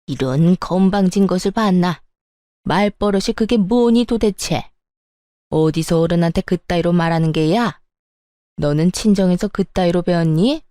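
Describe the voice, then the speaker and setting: A woman's voice: fairly low pitch, moderate pace, warm tone, no echo, clean studio sound, lightly acted. A woman voicing a bossy, self-pitying older mother-in-law who scolds and wails theatrically. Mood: scornful. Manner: scolding, sneering, wailing theatrically. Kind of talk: storytelling narration.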